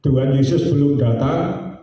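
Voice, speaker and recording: A man, stretching his words into a sing-song cadence and slipping in homely jokes. His slightly high voice is mellow and unhurried. He is picked up from a distance in a church that rings with heavy echo. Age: 70s. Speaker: pastor. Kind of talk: sermon. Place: church sanctuary. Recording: very echoey church hall, distant mic.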